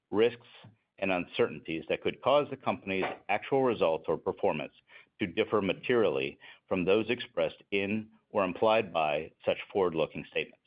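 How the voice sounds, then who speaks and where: A man reading a scripted corporate conference call statement as a company executive, stiff and formal. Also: sits low. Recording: muffled speakerphone-like conference line.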